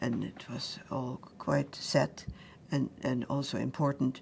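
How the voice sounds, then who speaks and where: A woman speaks at a very slow pace with vocal fry. She talks in a Swiss German accent. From Netherlands, The Hague. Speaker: family member recounting life story. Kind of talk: reminiscing interview. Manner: halting, with fillers and repetitions.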